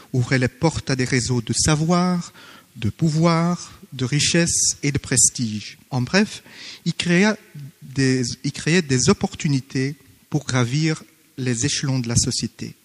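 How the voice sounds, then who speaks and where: A man's voice: mid-range voice, animated, a little slow. Man reading a paper in a hall. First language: not French. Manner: formal, careful reading with hesitations and self-corrections. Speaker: conference speaker. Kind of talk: academic conference paper read aloud. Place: conference hall.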